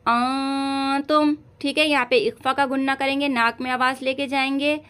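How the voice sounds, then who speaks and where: A woman's voice: high voice, fairly even intonation, a little fast, bright, forceful tone. A young woman teaching Quran recitation online, with an Urdu-speaking South Asian accent. She explains patiently, often checking in with "theek hai" and stretching out sounds to show them.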